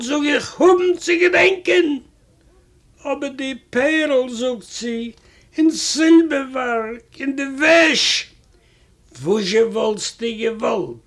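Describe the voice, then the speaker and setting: High-pitched, slow, gravelly male storyteller. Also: fairly bright tone. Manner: wry, chatty retelling that keeps repeating "I say". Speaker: reader of a humorous story. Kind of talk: first-person comic storytelling.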